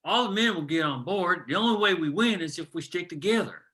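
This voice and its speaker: A man's voice: high voice, expressive, fairly quick, bright, forceful tone. A man playing an earnest, hot-headed miner who rallies others to a union, in a screenplay table read.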